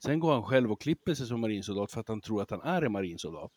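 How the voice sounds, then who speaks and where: Lively storytelling man, dry close sound. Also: lowish voice, husky, dry recording. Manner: lively storyteller who acts out examples and laughs easily. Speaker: lecturer and podcast guest. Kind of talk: casual interview talk.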